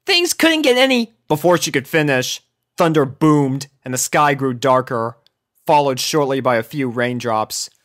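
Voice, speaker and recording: A woman's voice: extremely low pitch, steady tone, a little slow. A woman narrating a scripted story expressively, as a reader of fan fiction.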